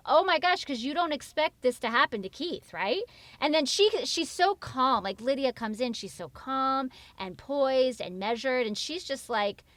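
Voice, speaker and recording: High-voiced, gushing woman, dry close sound. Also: bright, forceful tone, no echo. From New York. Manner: gushing, acts out quoted reactions. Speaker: podcast guest. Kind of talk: animated casual chat.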